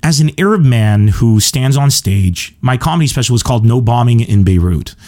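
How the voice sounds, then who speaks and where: A man's voice: medium pitch, expressive, normal speed, warm tone. Emphatic, self-assured male podcast host. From Lebanon. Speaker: podcast host, stand-up comedian. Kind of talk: solo podcast monologue answering listener questions.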